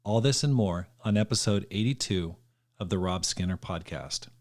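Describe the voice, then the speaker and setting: Upbeat lower-voiced male podcast host. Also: moderate pace. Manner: upbeat, encouraging interviewer. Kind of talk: podcast interview.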